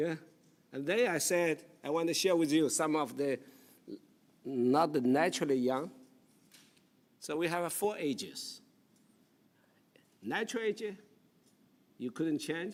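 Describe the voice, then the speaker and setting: A man speaks at a fairly slow pace and fairly high pitch, with ordinary pitch variation. Long, frequent pauses break up his speech. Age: 60s. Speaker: official of international organization speaking at youth summit. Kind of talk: speech at youth summit ceremony. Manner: halting, with fillers and restarts.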